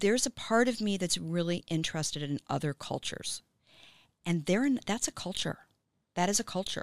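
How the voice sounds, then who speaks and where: Lively intonation and a fairly quick pace with an American accent, in a very clean recording with a silent background and a dry, close sound with no echo. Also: woman, medium pitch for a woman. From US South, Miami, Florida. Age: 50s. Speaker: filmmaker. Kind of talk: casual chat.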